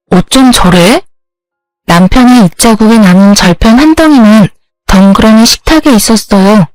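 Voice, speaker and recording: A woman's voice: fairly high pitch, no room sound. A woman in her thirties telling her own story in scripted narration, with an aggrieved, plaintive tone. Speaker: story narrator, the wronged wife.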